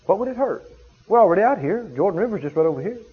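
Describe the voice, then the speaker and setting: A man voicing a deferential male aide gently coaxing his master in a retold story. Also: sits high, expressive, racing, breathy edge, full character voice. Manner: coaxing, casual persuading. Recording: dull lo-fi sound.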